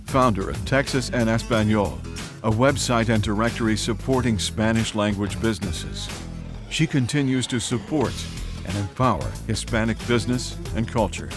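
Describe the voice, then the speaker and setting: A man reading a slow, deliberate scripted voice-over as an announcer. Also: on the low side. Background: guitar music.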